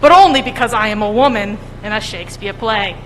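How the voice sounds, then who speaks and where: A woman as a salesy mock-ad pitchwoman. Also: a little fast, natural voice. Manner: salesy, upbeat pitch delivery. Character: brisk female legal-aid pitchwoman. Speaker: stage actor. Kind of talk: mock TV commercial. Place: high school auditorium stage. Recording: echoey auditorium, faint noise.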